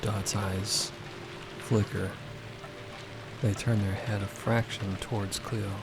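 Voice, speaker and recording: A man delivering scripted dramatic narration for audio fiction, measured, with deliberate pauses. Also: lowish voice, little pitch movement. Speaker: narrator and voice actor. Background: loud music and rain sounds.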